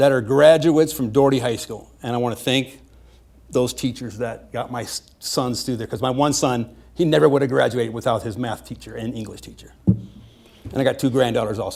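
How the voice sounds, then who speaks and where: This man talks at a moderate pace with lively intonation, vocal fry, and big swings in loudness. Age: 60s. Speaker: public commenter at school board meeting. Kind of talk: public comment speech. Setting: school board meeting.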